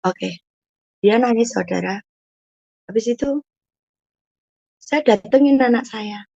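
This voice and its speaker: A woman's voice: a little high, slow, gravelly, darkish tone, dry recording. A woman giving an emotional personal testimony, earnest and repeatedly addressing her listeners. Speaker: testimony guest. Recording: muffled dull audio.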